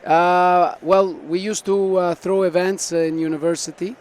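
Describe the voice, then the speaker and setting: Higher-voiced man explaining, over background noise. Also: little pitch movement, unhurried, darkish tone. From South America (Argentina and Venezuela), born in Canada. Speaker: startup founder being interviewed. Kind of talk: conversational interview answers. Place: busy tech conference floor. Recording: noisy busy event with background ambience.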